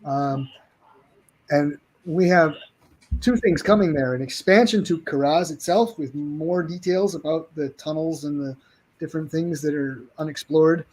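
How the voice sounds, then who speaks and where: A man with a fairly high speaking voice answers questions as a guest on a live chat. He talks in a halting way, restarting phrases and filling pauses with ums and uhs. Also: darkish tone, rough recording. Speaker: game publisher guest. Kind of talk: casual interview chat.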